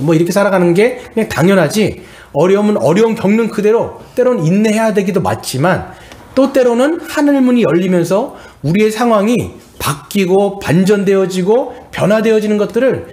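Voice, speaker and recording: A man's voice: high-pitched, a little mellow. A middle-aged male pastor preaching a sermon, earnestly and often turning to address the congregation.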